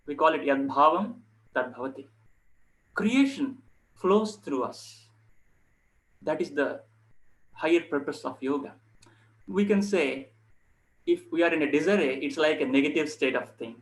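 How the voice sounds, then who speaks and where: Higher-pitched man, earnest yoga instructor. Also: animated, a little slow, long pauses, rough recording. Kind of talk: informal instructional talk to online viewers.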